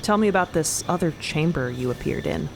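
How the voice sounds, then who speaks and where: Low-pitched, curt woman as a tough adventurer. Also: lively intonation, fairly quick, noisy background. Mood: dry, guarded. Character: tough, dry, unsentimental woman adventurer named Ripley.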